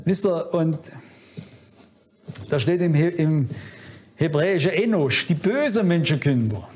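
A man delivers a conference sermon in a noticeably high voice. He is fervent and admonishing, speaking directly to his listeners to warn and exhort them. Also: animated, measured pace, darkish tone. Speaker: preacher. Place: conference hall.

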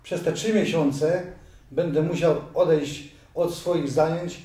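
A man voicing a sly, scheming male judge who plots and persuades, with slow, hesitant wheedling, in an amateur audio drama reading. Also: a little high, steady tone, mellow. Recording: very echoey room, far from mic.

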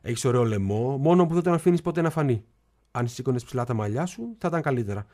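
An actor playing a lonely, childlike young man who moves from hushed confiding to shrill shouting in a stage play for radio. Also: animated, lightly acted. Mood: coaxing.

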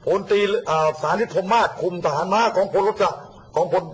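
A man talking politics in a casual, blunt, mocking way, acting out what others said. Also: high-pitched. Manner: rapid, blunt, mocking, acts out quotes. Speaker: guest speaker on politics and the army.

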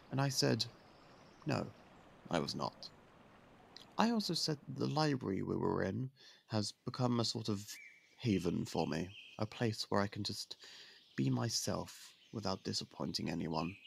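A man voicing a young royal prince in an ASMR roleplay, candid and persuasive, who confides in a soft, hushed way. His voice sits fairly low and is heavily gravelly with vocal fry. A faint hiss of noise lies underneath. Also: heavily acted. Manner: soft-spoken, confiding, with some hushed whispers. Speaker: voice actor.

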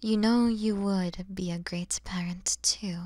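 A woman voicing a kind, motherly mature dragon in an ASMR roleplay, speaking softly and breathily with tender, soothing warmth. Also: medium pitch, steady tone, slow pace, no room sound, studio quality, lightly acted. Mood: grateful, gentle. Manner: soft, breathy, soothing, often near-whispered.

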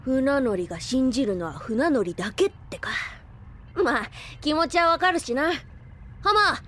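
Brash, high-pitched boyish young boss. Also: female voice, expressive, measured pace, a bit bright, full character voice. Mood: upbeat, cajoling. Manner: rough masculine casual speech. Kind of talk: anime-style audio drama acting.

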